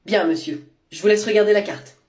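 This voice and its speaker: A woman's voice: medium pitch, a little fast, darkish tone, natural voice. A woman playing a stiff, overly formal restaurant waiter in a comedy sketch. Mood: prim. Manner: prim, formal. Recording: roomy echo.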